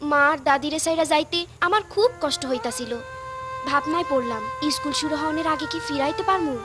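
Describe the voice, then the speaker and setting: A woman's voice: high-pitched, normal speed, music in the background, lightly acted. A woman voicing a brave young village girl in a cartoon, narrating earnestly. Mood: wistful. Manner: earnest, storytelling. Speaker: narrator and lead character. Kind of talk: dubbed cartoon acting.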